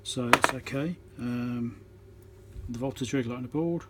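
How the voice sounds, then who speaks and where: A man's voice: mid-range voice, normal speed, sharp tone, soft background music. A man giving an informal, matter-of-fact hands-on repair tutorial, thinking aloud as he works, recorded on a phone on a tripod. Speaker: electronics repairer demonstrating.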